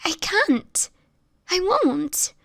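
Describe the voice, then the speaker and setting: A woman playing a sickly, gentle, anguished vampire in an intimate audio roleplay, speaking in a breathy, often whispered voice with tender, halting, formal phrasing. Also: very high voice, big pitch swings, dry recording, studio quality, full character voice. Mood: distressed, pleading. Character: sickly homeless young female vampire, gentle, anguished, self-sacrificing.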